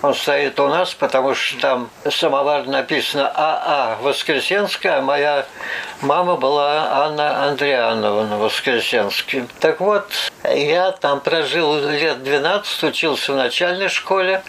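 An older man from Russia recalling his early life for an oral history interview, unhurried and pausing often to gather his thoughts. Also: fairly high pitch, vocal fry, fairly bright tone, slight background noise, rough recording. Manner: unhurried recollection with hesitations and "вот" asides.

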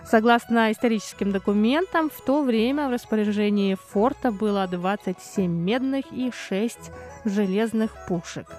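A woman hosting a radio program, reading a scripted feature in a measured, even newsreader manner. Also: mid-range voice, soft background music. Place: radio studio. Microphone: studio microphone.

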